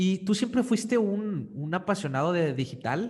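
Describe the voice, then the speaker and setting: A man talks in a somewhat breathy voice. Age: 30s. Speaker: podcast host. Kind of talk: interview.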